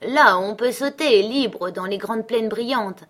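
A woman voicing a gentle, homesick reindeer who talks slowly and dreamily. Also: fairly high pitch, voice pushed up. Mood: dreamy.

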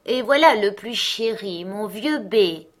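A woman's voice: mid-range voice, expressive, takes it slowly. A woman voicing a fierce, wild little robber girl who talks in a bossy, teasing way.

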